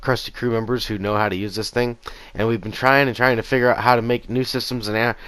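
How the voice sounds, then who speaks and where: A man in his thirties with a raspy voice after a concert, casually talking through gameplay footage on a headset in a small home room. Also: mid-range voice, fairly even intonation, quick pace, a bit bright, dry recording. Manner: easygoing, rambling with fillers and restarts. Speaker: gaming channel host. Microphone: gaming headset.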